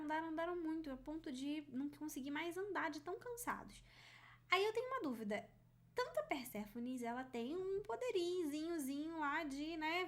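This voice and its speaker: A woman giving a casual writing lesson, critiquing a story on screen and reading passages aloud in a chatty, informal way. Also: sits high.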